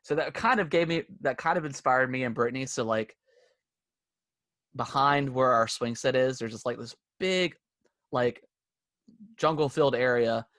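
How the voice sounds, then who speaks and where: He co-hosts a podcast from a home office, speaking in a fairly bright, mid-range voice at a moderate pace and pausing often. Allergies leave the young man stuffy, and his rambling, casual chat is packed with fillers and restarts; the desk-and-camera recording has no echo.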